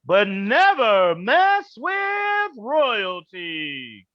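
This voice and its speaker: A man's voice: high voice, wildly swooping pitch, very slow, no room sound, dull audio, exaggerated voice. Man as a swooping, cocky wrestling prince. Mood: grand. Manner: taunting, boastful. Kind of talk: theatrical wrestling promo.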